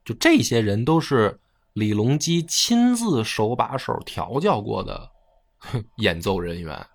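A man's voice: mid-range voice, big pitch swings, slow. A man telling history in a colloquial, slangy way. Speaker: history storyteller. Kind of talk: casual storytelling chat.

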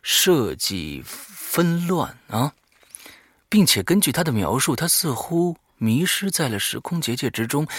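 A man's voice: mid-range voice, a bit bright, slightly rough, no room sound, studio quality. A man hosting a horror audio show, reading a diary aloud dramatically and breaking off for offhand, muttered asides.

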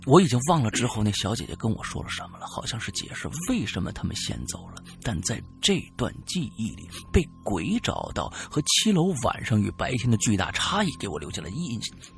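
Gravelly man telling a spooky story. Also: medium pitch. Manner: dramatic, swings from loud to hushed. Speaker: podcast co-host reading a listener's story.

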